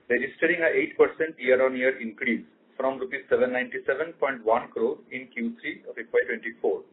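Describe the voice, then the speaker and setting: A man's voice: medium pitch, slightly rough. A man with an Indian accent reading out a scripted financial report as chief financial officer on a conference call. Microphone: conference call line. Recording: thin phone-like conference line.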